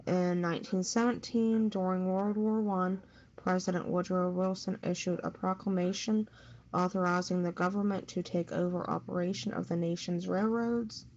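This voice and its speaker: A woman's voice: lowish voice, steady tone, normal speed, darkish tone. A woman co-hosting a radio show, reading out a scripted factual segment. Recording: dull audio with background noise.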